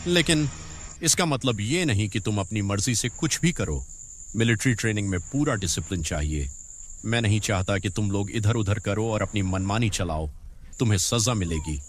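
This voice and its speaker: A man's voice: lowish voice, animated, moderate pace, slight background noise, natural voice. A man voicing a stern military drill instructor who scolds and barks orders at trainees, in a dubbed drama. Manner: barking commands, sarcastic. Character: stern male drill sergeant, harsh and scolding.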